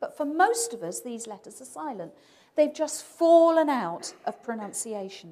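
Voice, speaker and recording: A woman speaks at a moderate pace with a high pitch and a dark, mellow tone. Her pitch swings very widely and her loudness rises and falls sharply. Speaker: publisher and teacher trainer. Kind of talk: conference talk.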